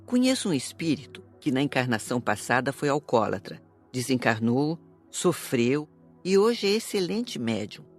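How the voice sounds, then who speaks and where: A woman playing a calm, serious spirit teacher in an audiobook, speaking in a measured, didactic way. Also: extremely low pitch, faint music behind, full character voice. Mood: reassuring. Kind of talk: audiobook dialogue.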